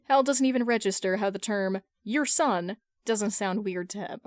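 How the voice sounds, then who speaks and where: A woman's voice: mid-range voice, brisk, darkish tone, dry recording, clean studio sound. A woman reading fan fiction as an amateur narrator, slipping between story narration and casual talk. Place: dry room at home.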